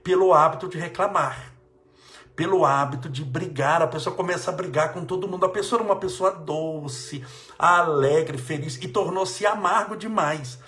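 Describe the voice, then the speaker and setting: A man's voice: fairly high pitch, moderate pace, a bit bright. A man with a Brazilian Portuguese accent, a politician giving a motivational religious talk, emphatic and repeating phrases for stress. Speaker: politician giving life advice.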